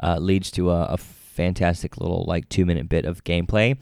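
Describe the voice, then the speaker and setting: A man hosts a casual podcast in a very low, smooth voice that is recorded dry and close. He halts often, circling back with fillers and restarts before finishing his thought. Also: steady tone, fairly quick, a little mellow, dry recording. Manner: hesitant, many fillers and restarts. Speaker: podcast host. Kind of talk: casual chat.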